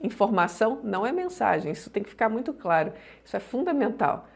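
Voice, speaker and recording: A woman's voice: on the high side, very animated, fast talker, gravelly, breathy edge. A woman teaching an online course on public speaking, explaining points emphatically and often checking that listeners follow.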